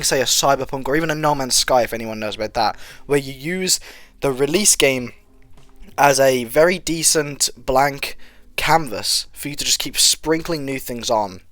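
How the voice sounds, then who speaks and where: Young male gaming vlogger, congested from a cold, earnest and rambling, mid-pitched, dry close sound. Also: a bit bright, dry recording. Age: young adult. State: stuffy from a cold. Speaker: gaming channel host. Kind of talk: casual opinion vlog.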